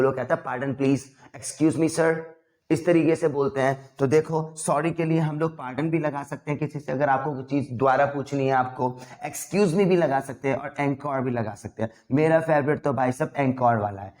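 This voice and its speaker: A young man with a fairly high voice gives a relaxed, talkative vocabulary lesson. He switches between languages and drags out his English example phrases slowly so they sink in. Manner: chatty, mixes Hindi and English, slows down for English examples. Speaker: spoken English teacher.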